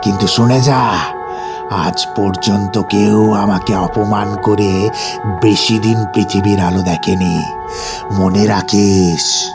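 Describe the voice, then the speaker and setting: A man playing an arrogant, vengeful tantric ascetic who speaks in slow, threatening pronouncements in a horror audio story. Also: lowish voice, fairly even intonation. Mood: menacing. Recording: music bed under the voice.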